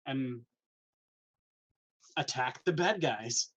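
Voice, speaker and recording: A man playing a tabletop game, explaining his moves in a halting, casual way. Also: medium pitch, fairly bright tone, lo-fi sound, a little hiss or hum. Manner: halting, many restarts while explaining moves. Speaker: player.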